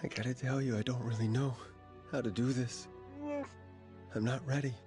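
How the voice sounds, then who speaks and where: An actor playing a brash, earnest rebel pilot leader in a game cutscene. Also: male voice, mid-range voice, steady tone, normal speed, lightly acted. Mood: unsure. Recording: loud music over the voice.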